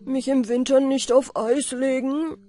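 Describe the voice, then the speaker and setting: A woman voicing a kind, steady male white horse in a fairy tale, speaking slowly and measured. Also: high-pitched, pitched above the performer's own voice. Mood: calm. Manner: slow, measured speech. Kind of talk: storybook reading.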